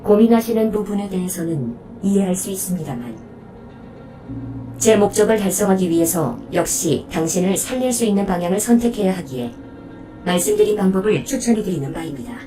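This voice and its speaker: An actress playing a polite, unflappable combat robot that protects humans, speaking in formal, matter-of-fact reports in an audio drama. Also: female voice, mid-range voice, lively intonation, fairly quick, far from the mic, over music, lightly acted. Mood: calm, advising.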